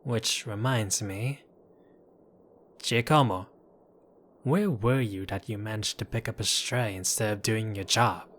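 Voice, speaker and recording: A man's voice: lowish voice, a little slow, long pauses, fairly bright tone. A man playing a chatty, apologetic mafia boss in an audio roleplay, talking to the listener in a wry, exasperated, placating way. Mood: wry, probing. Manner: conversational, wry, placating, theatrical asides.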